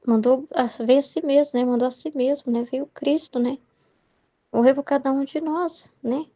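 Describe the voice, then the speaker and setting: A young Brazilian woman reflects aloud on a devotional book in a high, mellow voice. She wanders from thought to thought and keeps checking in with tag questions. The tone stays that of a spoken study. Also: steady tone, moderate pace. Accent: Brazilian Portuguese. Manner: meandering, heavy use of "né?" and "entendeu?" tags. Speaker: Catholic study leader.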